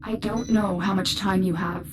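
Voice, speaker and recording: A woman playing a protective guide and commander in a video game, giving measured, earnest instructions. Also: medium pitch, fairly even intonation, heavy background noise, lightly acted. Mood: concerned, guiding. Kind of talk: dramatic video game acting. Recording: loud dramatic music behind.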